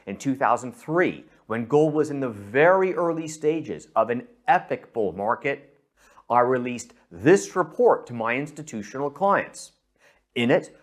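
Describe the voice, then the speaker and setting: A middle-aged man from San Francisco with an American accent, presenting a scripted investment pitch and speaking directly to the listener. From San Francisco, USA. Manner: persuasive, addresses the listener directly.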